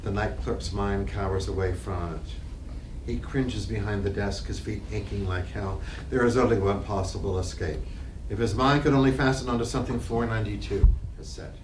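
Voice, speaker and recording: A man's voice: lowish voice, steady tone, moderate pace. A man reading stage directions as scripted dramatic narration for a play. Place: library reading room. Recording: distant echoey recording with clear noise.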